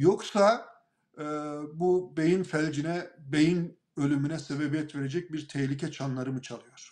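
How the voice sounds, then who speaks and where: Against a quiet background, the speech moves at a very slow pace with ordinary pitch variation. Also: man. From Turkey. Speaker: journalist and book show host; journalist, book show host. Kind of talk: interview. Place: home room. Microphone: video call.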